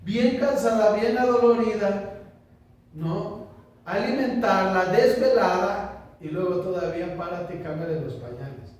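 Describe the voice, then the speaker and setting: Man, pastor, high voice, joking conversational sermon, recorded from afar in a reverberant church. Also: unhurried, darkish tone. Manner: chatty, asks the congregation questions, jokes. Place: small church. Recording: echoey church room, distant mic, faint noise.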